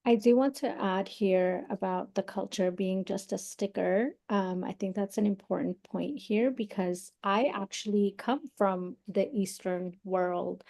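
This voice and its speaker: A young woman from Pakistan speaking in a measured, reflective way as a co-host in a live webinar, drawing on personal examples. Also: mid-range voice, creaky, dark tone.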